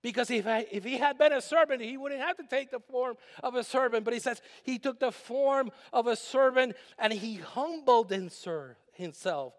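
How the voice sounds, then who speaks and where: High-voiced emphatic male preacher in a reverberant church. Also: normal speed, hardly any pauses. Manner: emphatic call-and-response preaching, rising to shouts. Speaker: pastor. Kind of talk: sermon. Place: church sanctuary. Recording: long hall reverb in a church.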